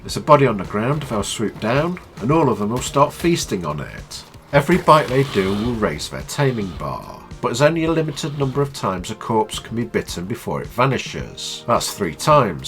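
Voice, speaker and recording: A man with a stuffy nose from a cold, explaining a video game in a chatty, low-key tutorial. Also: fairly bright tone. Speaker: gaming channel host.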